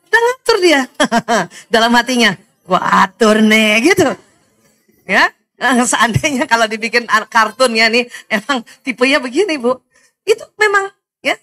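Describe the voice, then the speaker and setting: Middle-aged lady lecturing moms, high voice, laughs a lot, keeps asking the crowd questions. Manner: animated, laughs often, asks the audience rhetorical questions. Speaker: lecturer speaking to mothers. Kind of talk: lively seminar talk.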